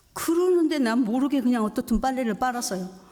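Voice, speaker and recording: High-pitched speech from a woman, with room echo clearly audible. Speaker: pastor. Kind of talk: sermon.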